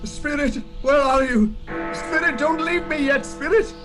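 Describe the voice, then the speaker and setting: A man's voice: very high-pitched, a little slow, over music. A man playing an eager, fearful old miser in a theatrical audio drama. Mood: pleading. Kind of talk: theatrical radio drama acting.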